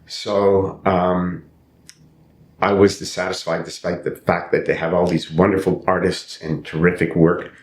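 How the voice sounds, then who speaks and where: An older man from Canada, an actor and playwright whose first language is not English, reflecting on his life in a thoughtful interview with frequent restarts. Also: a little mellow. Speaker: podcast guest, actor and playwright. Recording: roomy with faint rumble.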